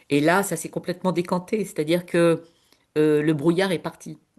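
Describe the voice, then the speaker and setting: A woman with a fairly low pitch, a fairly slow pace and a quiet background. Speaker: hypnosis client. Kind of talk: testimony. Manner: loud; halting.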